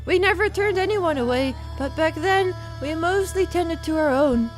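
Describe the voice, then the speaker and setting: A woman voicing a courteous, gentle lady healer in a fantasy game, speaking in a polite, formal, measured way. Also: very high-pitched, animated, faint music behind. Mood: solemn.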